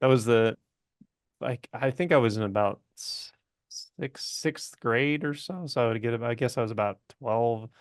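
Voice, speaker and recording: A man's voice: mid-range voice, normal speed, no echo. A man speaks as an interview host, easygoing and conversational in delivery. His voice sits in an ordinary male register. The sound is dry, with very little room around it.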